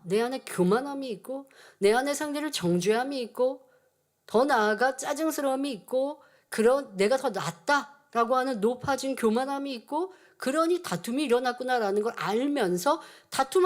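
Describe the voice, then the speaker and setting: A woman preacher giving an earnest sermon and acting out quoted dialogue in changing voices. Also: on the high side. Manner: earnest teaching tone.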